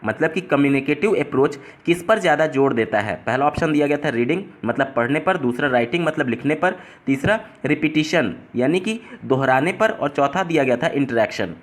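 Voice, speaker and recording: A man's voice: a little high, lively intonation, fairly quick, hardly any pauses. Man tutoring through an exam paper. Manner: explains step by step, restating terms in simpler words.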